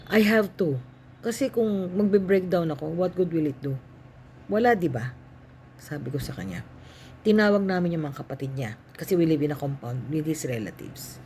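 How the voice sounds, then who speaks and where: Calm older Filipino woman telling her story. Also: on the low side, slight background noise. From Philippines. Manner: calm, matter-of-fact, acts out dialogue. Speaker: cancer survivor sharing her story. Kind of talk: personal testimony, storytelling.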